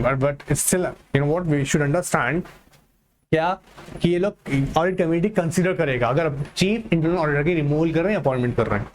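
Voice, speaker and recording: A male tutor with a high, light voice gives an exam-prep lecture, switching between Hindi and English terms. He poses questions and answers them himself, and a faint hiss sits under the recording. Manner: asks and answers his own questions, slows to read English text aloud. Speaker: online tutor.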